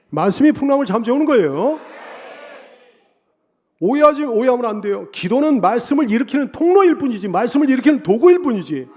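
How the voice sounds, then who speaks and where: A man preaching a Sunday sermon as a pastor. He repeats phrases and asks rhetorical questions, building loud on key lines and dropping low on others. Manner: emphatic repetition and rhetorical questions.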